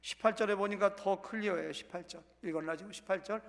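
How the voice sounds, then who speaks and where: A man's voice: high-pitched, fast talker, gravelly, fairly bright tone. A male pastor giving a Sunday sermon in a church sanctuary, speaking conversationally and putting questions to the congregation. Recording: reverberant church hall.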